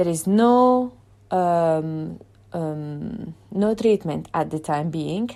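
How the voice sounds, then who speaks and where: A woman speaks with an Italian accent in a fairly low voice with a dark, mellow tone. Her pitch varies in an ordinary way. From Italy. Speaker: podcaster. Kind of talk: casual monologue podcast.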